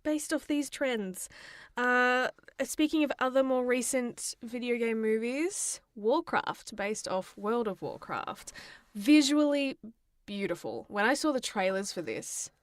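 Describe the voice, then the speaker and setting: Expressive woman, slightly high, dry sound. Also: slow pace, dry recording. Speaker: podcast co-host. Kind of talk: casual opinionated chat.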